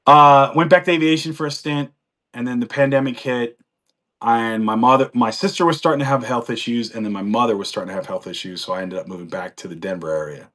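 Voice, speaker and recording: A man's voice: mid-range voice, fast, fairly bright tone. Chatty man in his forties. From United States. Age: 40s. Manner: rambling, chatty storytelling with frequent laughs and fillers. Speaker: guest on a live chat. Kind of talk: casual chat.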